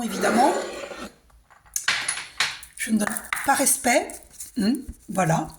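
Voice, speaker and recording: A woman doing a casual spiritual card reading, talking to the viewer in a hesitant, halting way full of fillers and checking in often. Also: fairly high pitch, noisy background. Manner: addresses the viewer directly, checking in with "d'accord?". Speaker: tarot card reader.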